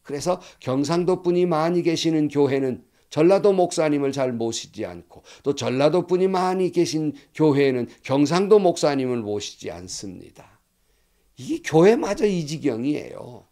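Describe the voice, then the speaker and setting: A man's voice: fairly high pitch, expressive, moderate pace, dark tone. A middle-aged man from Korea, a pastor preaching a sermon in an earnest storytelling manner, quoting dialogue aloud.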